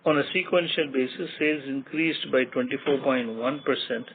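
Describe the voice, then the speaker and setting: Indian-accented executive on a tinny phone line. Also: male voice, medium pitch, breathy edge. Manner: measured, factual, figure by figure. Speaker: company executive presenting quarterly results. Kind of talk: formal scripted earnings presentation. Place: conference call over a phone line.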